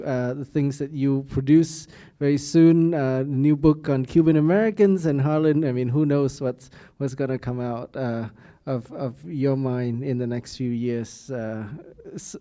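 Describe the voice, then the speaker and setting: A man hosting a university speaker series, effusive in his thanks and halting, with many fillers and stammers. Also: mid-range voice, mellow. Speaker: university host.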